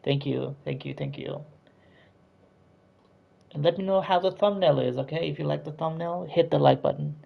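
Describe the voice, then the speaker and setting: A man with a sore throat chats on a live stream. His voice is gravelly with fry, and the sound is dull and lo-fi. He rambles with fillers and keeps begging viewers to subscribe. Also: a little high, moderate pace, long pauses. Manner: chatty, pleading for likes and subscribers, many fillers. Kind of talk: casual live-stream chat.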